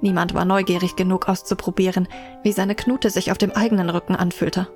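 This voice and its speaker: A woman playing a reflective first-person narrator in a German radio play, telling a medieval tale in measured literary style. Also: fairly low pitch, flat delivery, natural voice. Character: reflective female narrator recalling her medieval childhood. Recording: music behind the voice.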